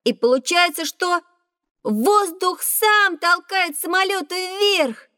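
A woman voicing a lively, curious schoolboy who asks eager questions in a children's audio drama. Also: very high-pitched, takes it slowly, dry recording, exaggerated voice. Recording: dry studio recording.

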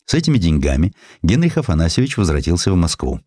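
A man's voice: low voice, sing-song, fast talker, dark tone, husky, dry recording, clean studio sound. A man narrating a historical essay as an audiobook, reading expressively and giving the characters voices in their quoted lines.

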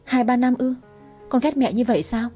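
A grieving, stubborn old mother pleads and laments in a mellow voice, as a woman narrator puts her on. Her husky tone carries through an audio storybook, with faint music behind. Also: on the high side, normal speed, pitched above the performer's own voice. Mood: plaintive. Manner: tearful, pleading.

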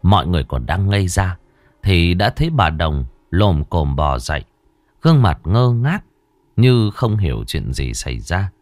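Brief: deep, expressive male horror storyteller, suspenseful and measured. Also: no room sound. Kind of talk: ghost story narration.

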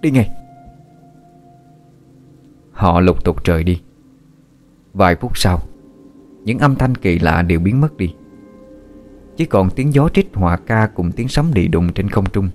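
A man reading a scripted horror story in a steady, somber way. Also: sits low, unhurried, pauses often, soft background music.

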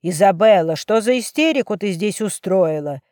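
A woman's voice: medium pitch, expressive, moderate pace, a little mellow, no room sound, close to an everyday voice. A woman reading the part of a stern, angry middle-aged father who gives harsh commands, in a dry recording. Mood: stern, furious.

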